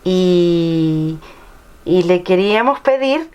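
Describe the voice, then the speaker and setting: A woman's voice: fairly low pitch, animated, slow, warm tone, clear, resonant tone. A woman interviewer speaking politely and formally to her guest in the guest's home. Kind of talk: casual interview.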